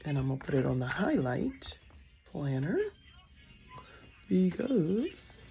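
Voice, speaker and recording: A woman with a raspy, hoarse voice from a sore throat, rambling and thinking aloud in a casual vlog at home, filmed on a phone. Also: deep voice, big pitch swings, slow, warm tone, soft background music. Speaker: vlogger and mom entrepreneur. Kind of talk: casual talking-to-camera vlog. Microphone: phone on a tripod. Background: faint kids' show audio.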